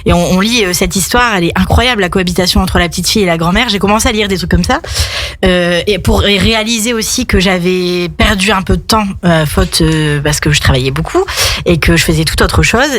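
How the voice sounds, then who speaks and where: A woman's voice: on the low side, brisk, a bit bright, no room sound. A woman speaking as a radio guest, telling personal stories in a casual, conversational way. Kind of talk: animated personal storytelling, casual chat.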